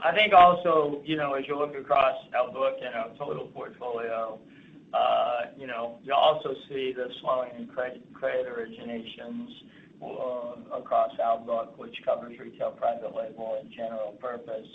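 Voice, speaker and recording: On an earnings call, a company executive gives halting business commentary, repeating and restarting phrases. He has a mid-range voice, and the audio has a thin, phone-line quality.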